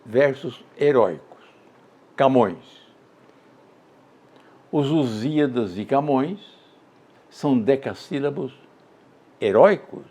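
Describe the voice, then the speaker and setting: An older man with a Brazilian Portuguese accent teaching a poetry lesson, reciting verses slowly and with feeling. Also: mid-range voice, animated, dark tone.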